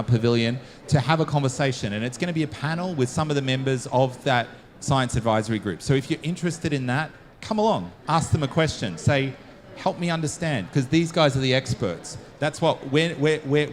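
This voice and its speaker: A man giving casual spoken remarks as host of a launch event, halting with many fillers and restarts. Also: medium pitch. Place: conference room.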